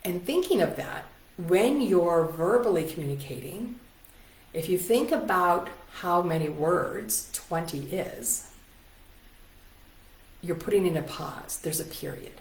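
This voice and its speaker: A woman's voice: on the low side, expressive, takes it slowly. A woman in her forties teaching presentation skills from home in a casual, conversational way, full of rhetorical questions. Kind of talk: casual online teaching talk. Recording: echoey room.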